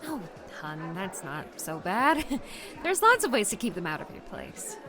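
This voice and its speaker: An actress playing an outgoing vlogger and doting, nagging friend, a young adult with an expressive, teasing manner in a naturalistic audio drama. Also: female voice, medium pitch, a little slow, music in the background, crowd noise. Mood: warm, concerned.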